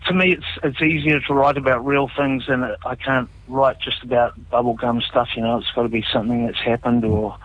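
A man with a New Zealand accent, a musician guest telling stories in a relaxed, animated way in a casual radio interview. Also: mid-range voice, brisk, few pauses, narrow, tinny audio, slight background noise. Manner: animated storyteller, relaxed and chatty.

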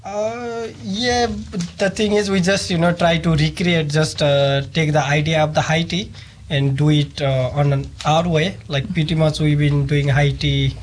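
A sous chef from Nepal explaining upcoming events, hesitant with many fillers. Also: male voice, on the high side, steady tone, moderate pace, slight background noise. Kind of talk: interview answers.

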